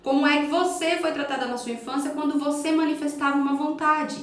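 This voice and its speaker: A woman's voice: high voice, fairly even intonation, brisk. Earnest Brazilian woman, echoey room. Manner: earnest, emphatic, addresses listeners directly. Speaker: parenting educator. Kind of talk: live-streamed parenting talk.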